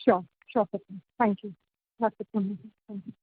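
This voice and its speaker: Husky woman on a narrow phone line. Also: mid-range voice, fairly even intonation, moderate pace, dry recording. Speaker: analyst asking questions. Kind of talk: earnings call questioning. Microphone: phone call.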